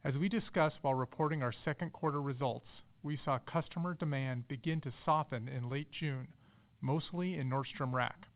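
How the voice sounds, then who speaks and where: Male executive on a tinny phone line. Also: medium pitch. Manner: formal, measured read-out delivery. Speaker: company executive. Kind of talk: scripted earnings call presentation. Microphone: telephone conference call.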